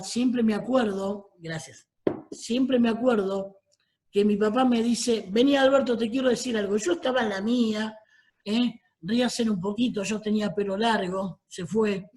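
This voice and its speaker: A middle-aged man with a Rioplatense Spanish accent preaches a sermon as a pastor, telling his family's story. He calls on the congregation for amens between stretches of storytelling. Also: high voice.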